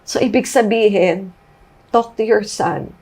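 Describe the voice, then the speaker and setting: A woman's voice: medium pitch, slow pace, a little mellow. Filipino woman giving a personal testimony. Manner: recounts quotes, switching between Tagalog and English. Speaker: guest.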